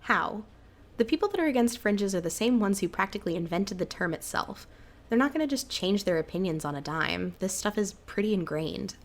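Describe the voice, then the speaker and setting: A woman's voice: mid-range voice, animated, brisk, close to an everyday voice. A woman playing a cautious, resigned cryptid with a hesitant, downbeat way of talking in a naturalistic audio drama. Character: Sybil, cautious, resigned female cryptid in a small town.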